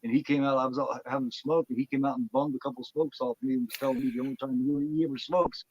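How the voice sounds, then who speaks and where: Male interview guest, quick rambling storyteller, animated, stumbles over words. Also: mid-range voice, dull audio, slight background noise. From Indiana, US. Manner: rambling, animated, repeats words when excited. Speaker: interview guest, former wrestler. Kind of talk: casual storytelling.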